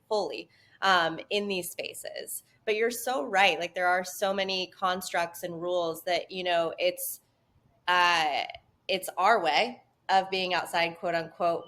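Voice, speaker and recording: Low-voiced woman hosting a chatty podcast. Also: fairly bright tone. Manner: thoughtful and rambling, frequent "like" and "you know". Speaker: podcast host. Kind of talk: casual podcast conversation.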